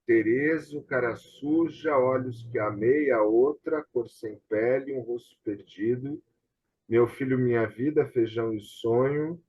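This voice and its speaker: A man's voice: medium pitch, a little slow, breathy edge. A Brazilian man hosting a conversation, reading out items and commenting casually, over dull online call audio. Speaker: host.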